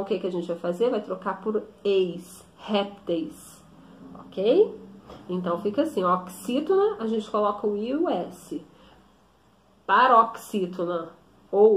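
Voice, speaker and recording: A woman teacher explaining a grammar lesson slowly, often stopping to check with her students. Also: mid-range voice. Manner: slow, explanatory, with frequent check-in questions. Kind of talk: recorded classroom lesson. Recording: echoey room.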